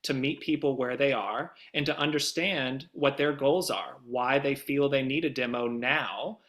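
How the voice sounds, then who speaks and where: A man's voice: medium pitch, measured pace, a bit bright. A man speaking as an interview guest and demo producer, conversational, earnest and emphatic.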